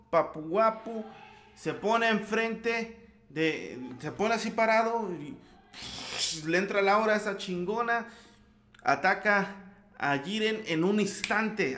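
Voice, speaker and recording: A man with a Mexican accent giving an excited, slangy anime recap full of sound effects. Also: high voice. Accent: Mexican Spanish. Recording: roomy echo.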